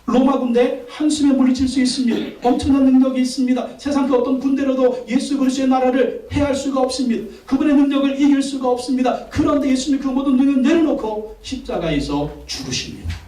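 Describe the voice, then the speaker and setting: Man, pastor, very high voice, emphatic sermon, roomy church sound heard from a distance. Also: fast talker, hardly any pauses, dark tone. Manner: emphatic preaching, repeats phrases, asks the congregation questions. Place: church sanctuary. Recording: echoey church hall, voice from off-mic.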